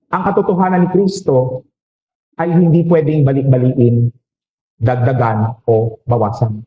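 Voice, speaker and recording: A Catholic priest with a Filipino accent preaching a sermon, asking rhetorical questions and cracking quick jokes. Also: male voice, mid-range voice, steady tone, echoey room, phone-quality sound, a little hiss or hum.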